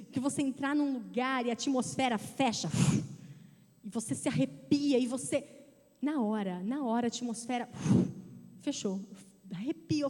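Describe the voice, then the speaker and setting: A woman in her thirties giving a testimony in a sermon, telling her story in a lively way and speaking directly to the church. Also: high voice. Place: church sanctuary. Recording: church hall reverb.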